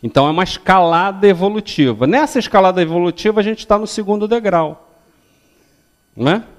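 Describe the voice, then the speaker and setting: An older man, a lecturer at a spiritist center, stands and gestures in a lecture hall while giving a public religious talk. His high-pitched, expressive voice moves fairly quickly as he teaches step by step, ending phrases with questions to check that the audience follows.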